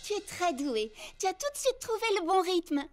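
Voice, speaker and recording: Very high, sweet cartoon girl. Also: sing-song, moderate pace. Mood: encouraging. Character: cheerful, helpful girl music teacher in a children's cartoon. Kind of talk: animated children's cartoon dubbing. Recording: music bed behind the voice.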